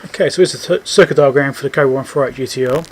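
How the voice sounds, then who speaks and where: A man giving a casual, unscripted technical walkthrough as a repair host, halting as he thinks aloud. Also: mid-range voice, husky.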